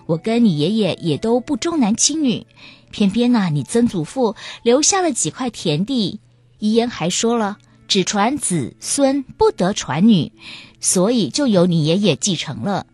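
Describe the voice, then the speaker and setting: A woman's voice: mid-range voice, very animated, a little slow, a little mellow, slightly rough, no echo. A woman voicing a worried, sighing elderly grandmother in a radio story. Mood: fretful. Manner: sighing, fretful.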